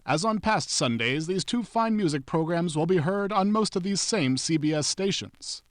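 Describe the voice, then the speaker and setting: A man with a fairly high voice announces in 1940s radio style. His delivery is formal, polished and scripted. The sound is very dry, without room echo. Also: expressive, normal speed.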